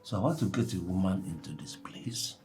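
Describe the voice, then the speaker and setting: An actor playing a widowed, middle-aged father with a Nigerian accent who speaks earnestly and softly. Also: low voice, expressive, a little fast. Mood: tender. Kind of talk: Nollywood film acting.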